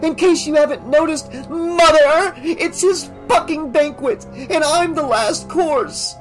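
A woman's voice: takes it slowly, darkish tone, faint music behind. A narrator putting on Kristen, a panicked drugged young woman. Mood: screaming. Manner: shrill screaming, then slurred. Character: exhausted, drugged young woman, frantic and defiant. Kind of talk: audiobook character voice.

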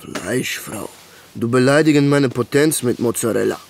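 An actor playing a restless, evasive ex-soldier boyfriend in an audio drama, talking in colloquial, naturalistic dialogue. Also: male voice, medium pitch, moderate pace, creaky, darkish tone, natural voice. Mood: casual, teasing. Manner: colloquial, hesitant, brooding. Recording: radio play with noticeable background noise.

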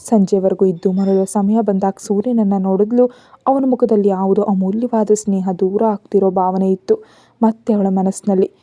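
A woman reads a scripted story in a steady, gentle manner. Her voice is very dark and mellow, at a middle pitch. The recording is dry and close, with no room sound. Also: normal speed, no room sound.

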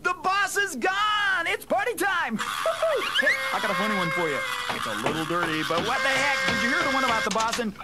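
A man's voice: very high-pitched, big pitch swings, brisk, loud music behind the voice. A man playing a gleeful, rowdy office joker in a scripted comic sketch.

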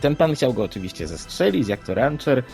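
Male podcast co-host, gravelly creak, sceptical explainer, music in the background. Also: mid-range voice, sing-song, fairly quick, a little mellow. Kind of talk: unscripted paranormal news discussion.

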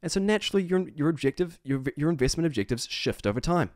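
A man's voice: on the high side, expressive, fast, dry recording. Emphatic man giving stock commentary, dry sound. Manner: emphatic, repeats phrases, rhetorical questions. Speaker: investing video host. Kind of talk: off-the-cuff stock analysis commentary.

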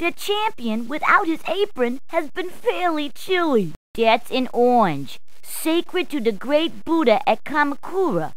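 A high, punning game policewoman. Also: sing-song, measured pace, few pauses, dry recording. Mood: cheerful. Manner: upbeat, punning, chatty. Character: cheery punning adult policewoman. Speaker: voice actor. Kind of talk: game voice clips.

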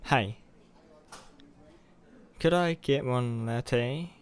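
A man's voice: mid-range voice, drawn-out words, clear, resonant tone. A young man playing an awkward, earnest college student who is secretly a superhero, in a roleplay audio with hesitant delivery. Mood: friendly, casual.

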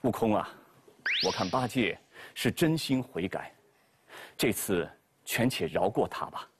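A calm, gentle monk master, put on by a male storyteller, speaks in a measured, husky voice. He sounds patient and unhurried. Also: lowish voice, pitched below the performer's own voice, exaggerated voice.

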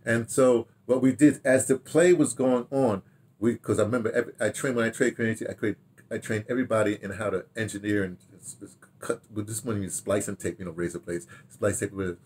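An older man telling stories casually to camera in an animated, rambling way, repeating himself and trailing into asides. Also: fairly low pitch, fairly quick, slight background noise. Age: older, 60s or 70s. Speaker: radio drama director reminiscing. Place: small home study, indoors.

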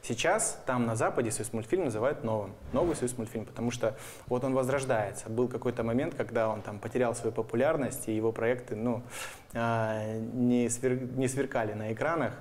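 A man's voice: medium pitch, fairly quick, darkish tone, a little hiss or hum. A man in his thirties explaining things casually as a guest in a studio interview. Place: television studio, indoors. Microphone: lapel microphone.

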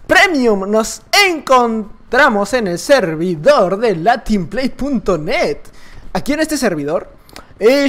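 A man with a Mexican accent giving casual gameplay commentary, talking loudly and shouting often. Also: sits high. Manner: loud, shouting and laughing often. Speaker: gaming YouTuber.

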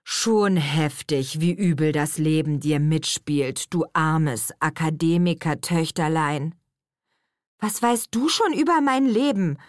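A woman's voice: deep voice, animated, slow pace, no room sound. A cocky young man, blunt and mocking, his sarcasm swinging up and down, as a female audiobook reader plays him. The sarcastic lines sound dry and close to the mic.

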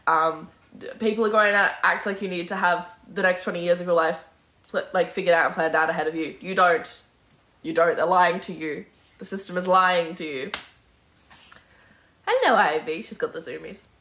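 Casting: woman in her twenties, lowish pitch with a bright edge, opinionated casual livestreamer, recorded in a roomy space. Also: normal speed. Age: 20s. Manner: emphatic, sweary, opinionated. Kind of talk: casual livestream chat answering viewer comments. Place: indoor room at home with bookshelf. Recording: roomy echo from phone mic.

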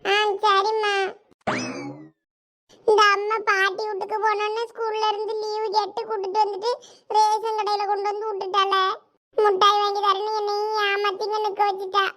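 A woman's voice: very high voice, monotone, normal speed, a bit bright, far from the mic, pitched above the performer's own voice. A woman voicing a small village boy with a Thoothukudi Tamil accent who pleads and grumbles for candy. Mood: whining. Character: whiny little village boy, candy-hungry.

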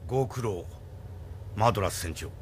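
A man's voice: fairly low pitch, normal speed, slight background noise, lightly acted. An actor playing a stern male admiral who insists on rank, speaking in a formal, commanding way.

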